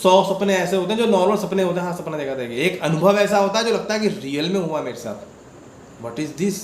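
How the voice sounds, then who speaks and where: A man's voice: high-pitched, lively intonation, fairly quick, roomy sound, slight background noise. A man hosting a devotional channel, casually retelling a viewer's dream experience in a conversational way, repeating words and asking listeners questions.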